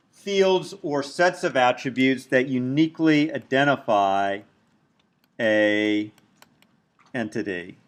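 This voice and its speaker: A middle-aged man with a big, loud voice, giving a recorded university lecture while writing on a tablet, slow and deliberate. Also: mid-range voice. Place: at a computer, screen recording.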